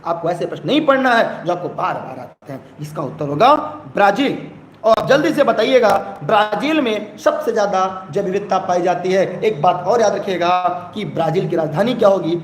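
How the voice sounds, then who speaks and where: Man, eastern Uttar Pradesh Hindi accent, high voice, live online teacher, repeats himself, urges comments, echoey room. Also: lively intonation, moderate pace. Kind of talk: live online exam-prep lesson. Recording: echoey room, faint background noise.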